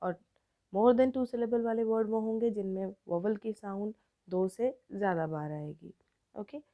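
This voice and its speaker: A woman with an Indian accent teaching an online grammar lesson, explaining slowly word by word and switching between Hindi and English. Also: medium pitch, phone-quality sound.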